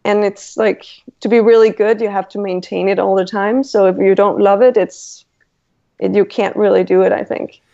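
A woman from Denmark with a Danish accent, a Danish native speaker, answering relaxed interview questions and pausing to search for words. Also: mid-range voice, vocal fry. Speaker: illustrator guest. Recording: dull lo-fi call audio.

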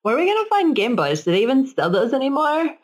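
A woman playing a wide-eyed, easily impressed teenage girl in a comedy sketch, with halting, filler-heavy talk. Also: high voice, huge pitch swings, exaggerated voice. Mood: chatty.

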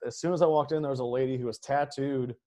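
Rambling man chatting at medium pitch. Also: fairly even intonation, fast talker, mellow. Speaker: podcast guest. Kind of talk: casual comedic chat.

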